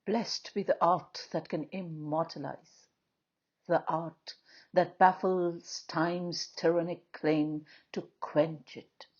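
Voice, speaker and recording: Female poetry reader, lowish husky voice, solemn and measured dramatic delivery, slightly muffled lo-fi sound. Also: steady tone. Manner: measured, declamatory, with frequent pauses between short phrases.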